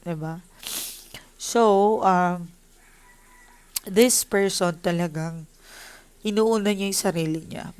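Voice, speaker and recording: A woman's voice: on the low side, slow pace, long pauses, darkish tone, clear, resonant tone. A woman giving a casual tarot reading, emotional and speaking straight to her viewers, mixing Tagalog with English. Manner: addresses viewers directly. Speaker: tarot reader.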